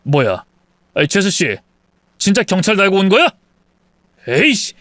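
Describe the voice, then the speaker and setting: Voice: mid-range voice, sing-song, measured pace, fairly bright tone, no room sound. A performer voicing a husband from a family of thieves who pleads with his wife in a wheedling way. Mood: pleading.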